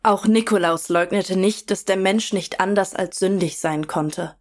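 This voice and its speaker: A woman's voice: medium pitch, measured pace, a little mellow, lightly acted. A woman playing a devout follower in a German audio drama, giving earnest, reverent testimony about her youth. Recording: music under the voice.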